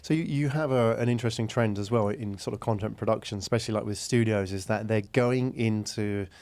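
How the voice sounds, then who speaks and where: A man's voice: on the low side, fairly quick, darkish tone. A man hosting a conversational business podcast interview in a studio, often checking agreement as he talks.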